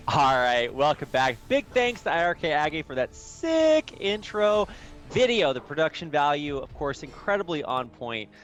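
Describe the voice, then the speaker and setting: A man's voice: a little high, big pitch swings, a little slow, a bit bright, faint music behind. A man casting an esports match live, chatty and upbeat, with many casual fillers. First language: English, with Spanish as second language. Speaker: esports caster. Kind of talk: live game commentary.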